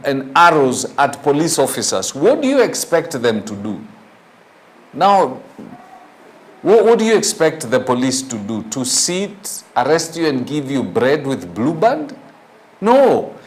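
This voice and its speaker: A man with a Kenyan accent hosting a morning show, reading news in a halting, opinionated way with rhetorical questions. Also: a little high. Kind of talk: newspaper review with off-the-cuff opinion.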